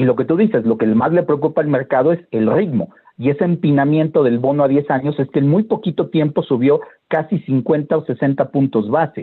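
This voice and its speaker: A man's unremarkable speaking voice, fairly high in pitch, at a moderate pace with very even loudness. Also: ordinary pitch variation. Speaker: radio host. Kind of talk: interview.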